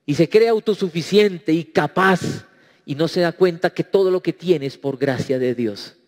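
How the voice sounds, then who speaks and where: Emphatic pastor in a reverberant hall. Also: male voice, a little high, normal speed. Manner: emphatic preacher, acts out quoted prayers. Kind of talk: sermon. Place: church.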